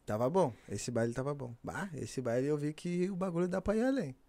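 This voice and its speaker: A young man with a southern Brazilian gaúcho accent, a funk MC guest telling stories in relaxed slang. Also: a little high, fairly quick. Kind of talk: casual chat.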